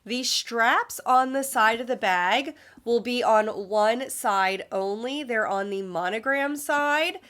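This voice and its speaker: Female vlog host, somewhat high voice, congested and nasal from a cold, scripted and informative. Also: takes it slowly, hardly any pauses, fairly bright tone. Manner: polished, informative, friendly. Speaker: luxury fashion vlogger.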